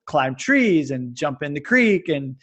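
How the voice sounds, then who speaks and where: A man in his forties from the United States, a fitness coach telling stories in a rambling, animated way with many restarts. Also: a little high, a little slow. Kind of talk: casual interview chat. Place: lives in Japan.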